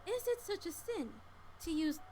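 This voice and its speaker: A woman's voice: very high-pitched, animated, moderate pace, warm tone, slight background noise, poor audio. A woman playing a prim, haughty, easily offended lady in a video game, with affected politeness.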